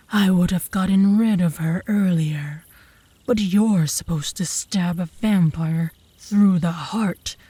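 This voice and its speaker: A woman voicing a flirtatious, obsessive werewolf woman in an ASMR roleplay, with a breathy, teasing drawl that often drops to a whisper, close to the mic. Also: lowish voice, warm tone, no room sound, heavily acted. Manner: slow, teasing, seductive drawl. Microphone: close ASMR microphone.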